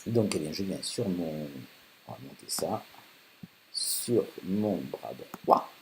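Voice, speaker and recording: A man hosting a casual software tutorial, thinking aloud with many fillers while working on screen. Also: low-pitched, lively intonation, takes it slowly. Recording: faint hiss.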